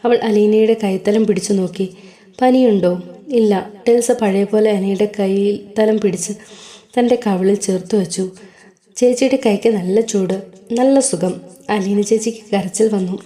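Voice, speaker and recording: Mellow woman reading a serial story. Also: mid-range voice. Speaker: narrator. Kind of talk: storybook narration of a serial novel.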